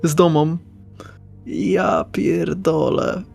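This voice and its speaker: A man's voice: on the high side, very animated, very slow, gravelly, darkish tone. A man playing in a tabletop role-play session, improvising casually in and out of character, informal and sweary. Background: faint music.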